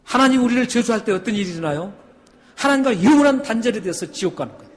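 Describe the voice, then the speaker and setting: A man preaching a sermon as a pastor, emphatic and rising to loud peaks, often putting questions to the congregation. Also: very high voice, animated, very fast. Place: church sanctuary. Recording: long hall reverb.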